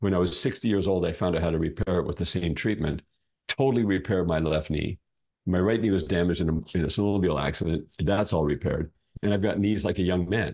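With a Canadian accent, a man talks at a very fast pace in a very deep, low pitch with ordinary pitch variation. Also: very even loudness. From Ontario, Canada. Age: 60s. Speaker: health products founder and wellness advocate. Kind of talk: casual interview conversation.

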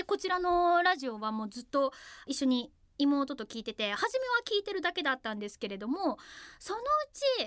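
A woman's high voice with very wide pitch swings at a fairly quick pace, with a dry, close sound and no echo. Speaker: radio personality. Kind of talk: late-night radio monologue. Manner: animated.

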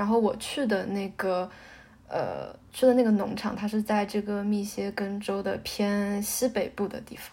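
A woman's somewhat breathy, medium-pitched voice, flat and monotone, at a fairly slow pace. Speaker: graduate student. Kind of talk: casual chat.

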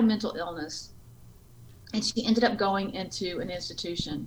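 The voice has a Louisiana accent. It moves at a fairly quick pace. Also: woman. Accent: Cajun Louisiana, noticeable. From Lake Charles, Louisiana. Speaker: foundation founder, humanitarian. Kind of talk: casual interview chat.

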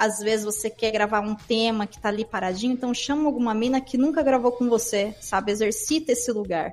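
In an unremarkable speaking voice, a woman talks at a fairly quick pace with hardly any pauses, a fairly high pitch and ordinary pitch variation. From interior of São Paulo state, Brazil (São Carlos). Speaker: podcaster and podcast producer. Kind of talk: casual interview conversation.

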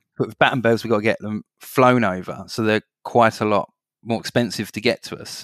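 A man's medium-pitched voice in an Essex accent, fairly quick and monotone, with big swings in loudness and a dry, close sound with no echo. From Essex, England. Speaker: shop owner. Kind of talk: interview.

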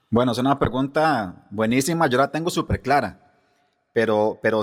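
On a very clean recording with a silent background, a man with a plain, everyday voice speaks at medium pitch and a moderate pace, with ordinary pitch variation. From Costa Rica. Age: 40s. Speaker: pastor and entrepreneur. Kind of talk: casual chat.

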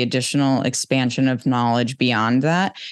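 A voice with an American accent is heard against a quiet background. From US suburban. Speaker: podcast host. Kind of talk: casual interview conversation. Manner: fast talker.

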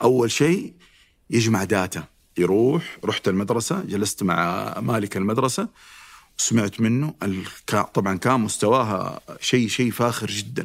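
A very clean recording with a silent background of a man at medium pitch, fairly slow pace and ordinary pitch variation. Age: 40s. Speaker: management consultant and trainer. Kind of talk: interview conversation. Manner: animated; talkative.

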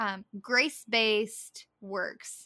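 A woman with an Appalachian accent speaks in a bright, sharp tone at a fairly high pitch, with ordinary pitch variation and a dry, close sound with no echo. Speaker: podcast co-host, Bible teacher. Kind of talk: Bible teaching chat.

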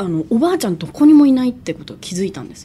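A woman's voice with very wide pitch swings amid noticeable background noise. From Japan, Kanazawa, Ishikawa. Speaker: ghost story teller. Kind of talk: ghost story telling.

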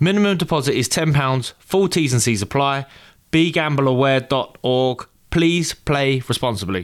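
Over a silent background in a very clean recording, a man with an unremarkable speaking voice talks fairly slowly at a fairly high pitch. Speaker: podcast host and former boxer. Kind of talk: casual interview.

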